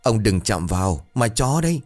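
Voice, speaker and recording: A man voicing a frightened old wife who begs her husband in a shrill, panicky voice. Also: animated, fairly quick, soft background music, natural voice. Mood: terrified. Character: terrified old village wife, pleading.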